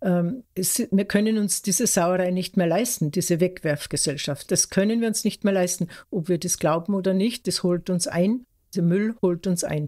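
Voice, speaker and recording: A woman with a dark, mellow tone talks at a moderate pace, her medium pitch varying in an ordinary way. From Tyrol, Austria (mountain farm). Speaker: author and lunar calendar expert. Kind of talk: interview.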